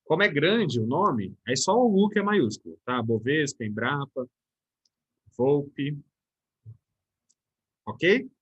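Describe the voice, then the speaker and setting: Man, grammar teacher, chatty, fairly high voice, husky. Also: lively intonation, takes it slowly, pauses often, a bit bright, lo-fi sound. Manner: chatty, addresses students as "galera", asks and answers own questions. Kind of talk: recorded grammar lesson.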